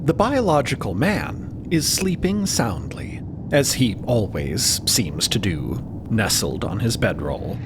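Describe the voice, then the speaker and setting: A man with a fairly low but very animated voice narrates fiction for a podcast. He phrases things slowly and theatrically, with loud ambient rumble behind him.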